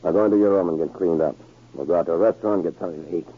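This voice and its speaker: Very gruff, husky radio spy villain. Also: male voice, low-pitched, very fast. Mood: smug, controlling. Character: smug, cold-blooded male spy villain, controlling. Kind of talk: 1940s radio drama acting. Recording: scratchy, narrow-band 1940s radio recording.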